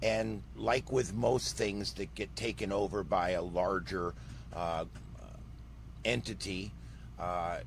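Against light background noise, a man speaks very slowly with a very deep, low pitch and vocal fry, in a dry sound with no echo. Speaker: amateur radio operator. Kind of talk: commentary. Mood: frustrated, sardonic. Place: home room.

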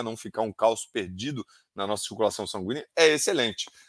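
Pitch variation is ordinary. The sound is dry with no echo, set against a quiet background. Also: man. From Brazil, Rio de Janeiro (Vila Isabel/Tijuca); Rio de Janeiro, Brazil. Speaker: doctor, orthopedist. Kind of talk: live stream medical talk with viewer Q&A. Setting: live stream. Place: home room. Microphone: headset.

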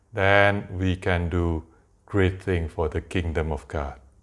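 With the background quiet, a man delivers his words very slowly. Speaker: pastor. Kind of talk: sermon. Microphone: lapel.

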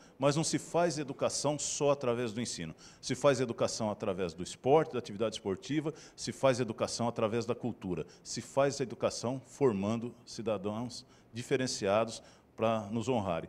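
A man speaks at a moderate pace. His pitch shows ordinary variation. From Brazil, São Paulo state (Bauru region). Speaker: sports and education institution official. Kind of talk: ceremony speech. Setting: city council chamber. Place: hall. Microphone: handheld.

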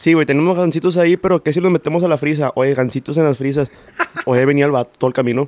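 Very even in loudness, a man speaks at a very fast pace in a fairly high pitch with fairly even intonation. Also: dry sound with no echo. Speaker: band singer and leader; interview guest. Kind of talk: casual interview chat. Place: studio. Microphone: studio mic.

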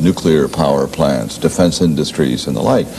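A man speaks at a moderate pace in a very deep, low pitch with ordinary pitch variation. Light background noise sits behind him. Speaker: interviewee. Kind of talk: interview answer. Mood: serious, measured. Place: studio.

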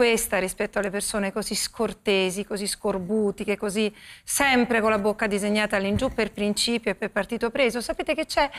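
Here a woman talks at a fairly high pitch. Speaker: TV talk show host. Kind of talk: TV talk show interview. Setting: TV studio. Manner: animated. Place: studio. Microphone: lapel.

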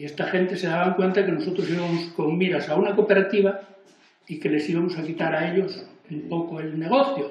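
A man speaks at a fairly quick pace with a high pitch. Audible room echo surrounds his voice. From Asturias, Spain. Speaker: livestock farmer and former councillor. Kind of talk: interview. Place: home room.

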